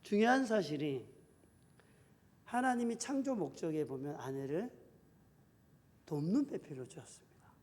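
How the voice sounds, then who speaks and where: A male pastor preaching an animated sermon in a church, acting out quoted husbands and wives as he goes. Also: fairly high pitch. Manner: animated preaching, acts out spouses' quarrels in quoted voices. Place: church sanctuary. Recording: reverberant church hall.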